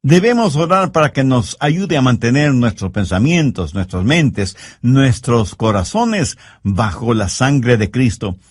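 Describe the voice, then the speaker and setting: A man preaching a sermon in an earnest, pleading way, slowing down to stress key words. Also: mid-range voice, sing-song, slightly rough, dry recording.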